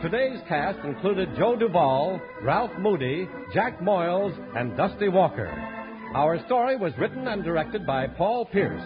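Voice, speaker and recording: A man's voice: high-pitched, lively intonation, a little slow. A man delivering polished, emphatic announcements in the manner of a 1950s radio announcer. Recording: muffled vintage radio recording, loud music.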